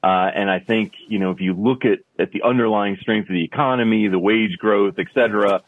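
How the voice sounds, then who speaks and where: A man giving halting interview commentary as an investment expert over a band-limited connection. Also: on the low side, dry recording. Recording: dull phone-like band-limited sound.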